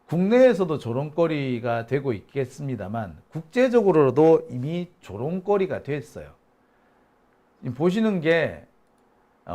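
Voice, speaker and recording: A man's voice: medium pitch, a little mellow. Combative, mocking male political commentator. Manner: combative, mocking, profane outbursts; reads viewer chat comments aloud. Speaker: political commentary channel host. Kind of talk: live-streamed political commentary.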